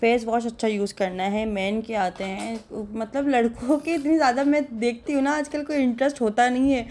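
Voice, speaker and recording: A woman's voice: fairly high pitch, steady tone, fairly quick, a little mellow. A young woman, narrating a casual vlog voice-over in a chatty, rambling way and laughing often. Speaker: vlogger.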